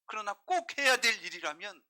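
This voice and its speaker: Preaching at a moderate pace with a sing-song delivery, this pastor has a piercingly bright voice pitched a bit high for a man. He repeatedly questions the congregation, shifting from quiet asides to loud, forceful emphasis.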